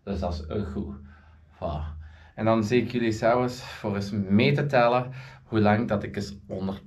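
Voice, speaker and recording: A man in his thirties with a Flemish accent, chatting casually to his vlog camera in halting phrases. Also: lowish voice, a little mellow. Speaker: vlogger. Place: indoors at home, rooms and bathroom. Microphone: camera at arm's length or a few steps.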